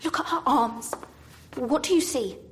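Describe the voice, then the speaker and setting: A woman's voice: high voice, a little slow. A woman playing a nervous, grieving young woman in an audio drama, hesitant but insistent. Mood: uneasy. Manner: hesitant, stammering.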